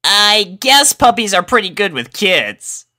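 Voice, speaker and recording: Brash young mare for a cartoon pony tale, raised pitch, swooping, impatient, emphatic; male reader. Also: very animated, a little slow, sharp tone, full character voice. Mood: casual. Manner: emphatic, exasperated.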